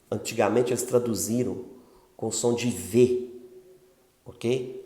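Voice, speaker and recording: A man's voice: lowish voice, darkish tone. A man giving an informal religious teaching talk, speaking conversationally and often checking in with the listener. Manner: conversational, frequent filler tags like "né" and "ok". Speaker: religious channel host. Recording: roomy echo.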